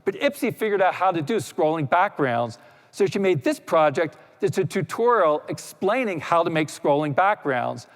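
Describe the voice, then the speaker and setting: A man speaking at a conference in a lecture hall, his voice a touch higher than most men's. He explains things in a relaxed, easygoing way, dropping in frequent "you know"s. A long reverb hangs on his words. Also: moderate pace. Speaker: panel speaker. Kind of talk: conference talk.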